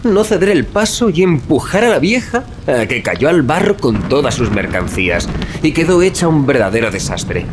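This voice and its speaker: A hearty young male student in an audio drama. He chatters in a colloquial, exclamatory way, with very lively swings of pitch. There is clear ambient noise behind him. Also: normal speed. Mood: indignant gossip. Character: gossipy, indignant young male medical student, hearty and brisk. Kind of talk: Spanish audio drama dialogue.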